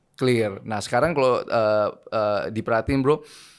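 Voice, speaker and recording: A man at medium pitch with fairly even intonation, in a very clean recording with a silent background. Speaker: entrepreneur and content creator. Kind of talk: casual podcast chat. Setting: studio.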